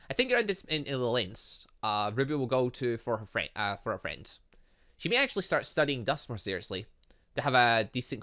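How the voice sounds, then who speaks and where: Gaming host for let's play commentary: bright voice, very lively pitch, rambling delivery. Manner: rambling, repeats phrases. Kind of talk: let's play commentary, reading visual novel dialogue aloud.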